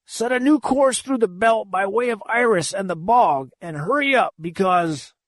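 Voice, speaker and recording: Guy putting on a gruff old space captain, hollers high and cranky. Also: lively intonation, moderate pace, no room sound. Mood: blustering. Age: older. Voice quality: gruff, roaring.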